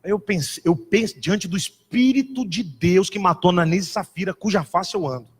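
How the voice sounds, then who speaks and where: A man preaching a sermon as a pastor, telling a story in an animated, dramatic way and mimicking other voices. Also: sits high, normal speed, slightly rough. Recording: reverberant hall.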